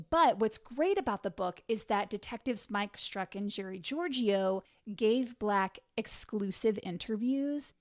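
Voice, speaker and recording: A young woman co-hosting a true crime podcast, telling the story in a relaxed, chatty way with plenty of fillers. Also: medium pitch. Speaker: podcast co-host.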